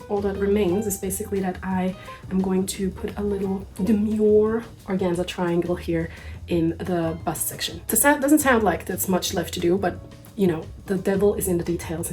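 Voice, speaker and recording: A woman's voice: medium pitch, moderate pace, darkish tone, faint music behind. Chatty woman, sewing vlog. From Austria. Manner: chatty, self-deprecating asides. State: slightly sick voice. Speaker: sewing vlogger. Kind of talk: casual sewing vlog narration.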